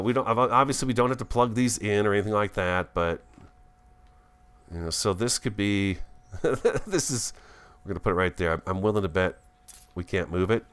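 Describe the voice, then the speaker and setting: A man giving casual, chatty gameplay commentary as a host, thinking aloud and easily excited, talking with a swollen, bitten tongue. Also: low voice, clean tone. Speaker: gaming video host.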